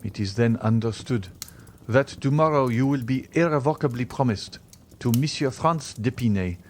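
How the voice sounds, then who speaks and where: A man's voice: mid-range voice, moderate pace, a little mellow, slight background noise, pitched above the performer's own voice, natural voice. A man voicing a proud, desperate young lover, bitterly devoted, speaking with formal, earnest intensity in an audiobook. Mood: sorrowful. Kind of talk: dramatized audiobook reading of a classic novel.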